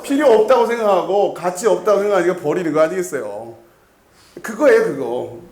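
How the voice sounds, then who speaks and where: A man's voice: sits high, lively intonation, fairly quick, a little mellow, echoey room. A male pastor preaching an expository sermon in a conversational way. He often puts questions to the congregation and repeats key words. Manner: asks the congregation frequent questions. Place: church sanctuary.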